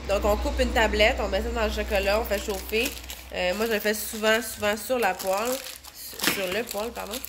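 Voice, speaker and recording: Chatty Québécois mom with a stuffy nose. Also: female voice, medium pitch, steady tone, moderate pace, background noise. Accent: Québécois French. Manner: chatty, rambling, lots of fillers. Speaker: vlogger, stay-at-home mom. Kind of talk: casual chat to camera. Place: home, indoors. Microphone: handheld phone.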